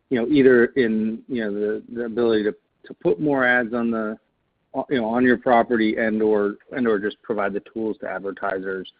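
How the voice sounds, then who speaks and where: Low-voiced male analyst on tinny phone. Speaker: financial analyst asking questions. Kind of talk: unscripted conference call questioning. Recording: tinny narrow phone line.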